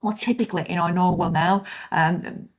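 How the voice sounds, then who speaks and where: Woman trainer on a conference call, lowish. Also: normal speed. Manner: steady explanatory delivery, frequent "yeah?" checks. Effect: voice over a video conference call. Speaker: workshop trainer. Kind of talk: online training session. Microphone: video call.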